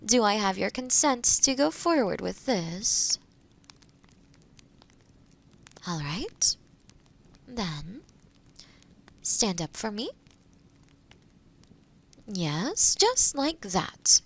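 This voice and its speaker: A woman playing a kind, skilled witch in an intimate roleplay audio drama, gently reassuring, with soft near-whispers and thoughtful murmurs. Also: mid-range voice, very animated, drawn-out words, creaky, pauses often, exaggerated voice. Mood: gentle, reassuring.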